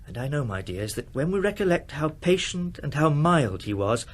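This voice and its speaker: A gentle, grieving father of a poor family in a radio drama. His voice is husky and swings widely in pitch, tender and halting as he talks to his loved ones. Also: very animated. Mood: tender sorrow.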